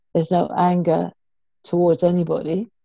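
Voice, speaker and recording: Against a quiet background, the speaker has a dark, mellow tone and a British accent. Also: woman. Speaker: consultant and conference speaker. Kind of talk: webinar presentation. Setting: video call.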